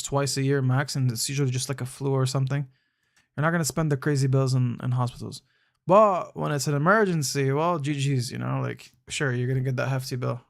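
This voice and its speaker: A man's voice: medium pitch, creaky. A young man from the United Arab Emirates chatting casually with viewers on a live stream, easygoing and slangy, thinking aloud with frequent restarts. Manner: laid-back, slangy, calls chatters bro.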